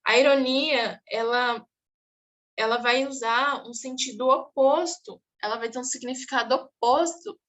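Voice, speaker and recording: A woman teacher walks her students through exam answers, pausing often to make sure they follow. Her voice sits a little high, and she explains patiently. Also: fairly bright tone. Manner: explanatory, checks in with "tá bom?". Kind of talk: online exam review class.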